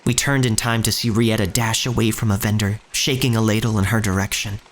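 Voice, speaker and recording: A man's voice: on the low side, steady tone, a little fast, lightly acted. A man playing a wary young street thief who tells his own story as scripted audio drama narration. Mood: tense, watchful. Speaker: narrator and lead actor. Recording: music bed under the voice.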